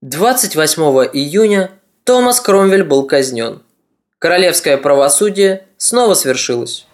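A podcast narrator reading scripted history in a measured, dramatic storytelling manner. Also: mid-range voice, expressive.

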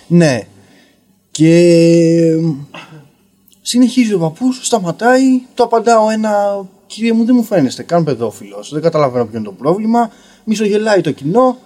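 Young man, guest comedian, casual storytelling, rambling, lively pitch, mellow warm tone. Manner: rambling, frequent "you know" fillers. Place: basement podcast studio.

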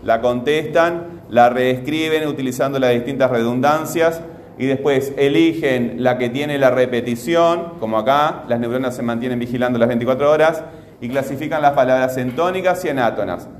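A man's voice: medium pitch, moderate pace. Male teacher, patient, fond of fillers, recorded in a roomy classroom with faint background hiss. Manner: patient, repeats phrases, fillers like "este". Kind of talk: classroom grammar lesson.

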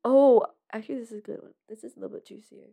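A young adult woman hosting a chatty podcast in an informal, giggly and halting way. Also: on the high side, vocal fry, dark tone. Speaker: podcast host. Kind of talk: casual chat.

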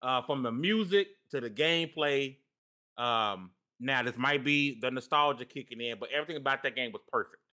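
A man's voice: medium pitch, moderate pace, pushed and bright. A man in his thirties hosting a casual gaming podcast, laughing often and greeting the chat. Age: 30s. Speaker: podcast host.

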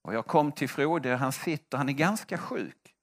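Animated male preacher telling stories. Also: on the high side. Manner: animated storytelling, acting out quoted voices. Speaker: preacher and mission leader. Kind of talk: testimony sermon.

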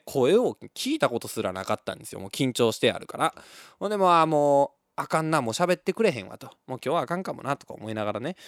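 A man's voice: medium pitch, no echo, clean studio sound. A man with a Kansai accent hosting a radio show, telling stories casually and laughing often between lines. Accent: Kansai Japanese. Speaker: radio host. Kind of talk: casual solo storytelling.

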